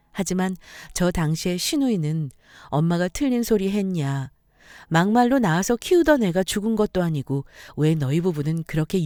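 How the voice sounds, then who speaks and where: Young female narrator for story radio, lively pitch, dry close recording. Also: no echo. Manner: expressive, confiding.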